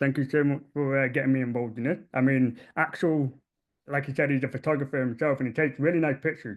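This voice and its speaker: A man speaks very fast with a British accent and a fairly high pitch. His intonation stays fairly even. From UK. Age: 20s. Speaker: street and travel photographer, presenter. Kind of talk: webinar presentation. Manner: casual, halting.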